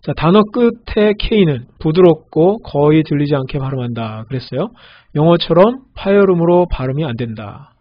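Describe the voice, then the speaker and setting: Husky-voiced man teaching pronunciation. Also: a little high, animated. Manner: patient, repeats example words slowly. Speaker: language teacher. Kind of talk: recorded lecture on pronunciation. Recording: dull lo-fi audio.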